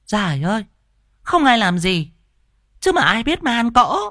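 A man voicing a fat, jealous middle-aged woman who sells tripe porridge, shrill and scolding. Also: big pitch swings, unhurried, bright, forceful tone, dry recording, clean studio sound. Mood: possessive.

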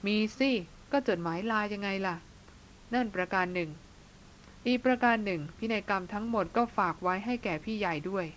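A woman reads a bearded older brother in a spoken storybook. He talks bluntly and plainly and likes to tease, though he cares deeply. The pitch sits in an ordinary middle range. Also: normal speed, slight background noise, lightly acted. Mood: teasing. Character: teasing bearded older brother, blunt but tender man.

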